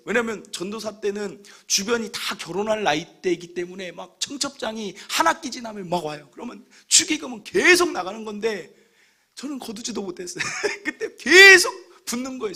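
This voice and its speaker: A man in his thirties, a pastor preaching a sermon, telling stories with animated humor and acting out what other people say. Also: sits high, husky. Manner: acts out other people's remarks.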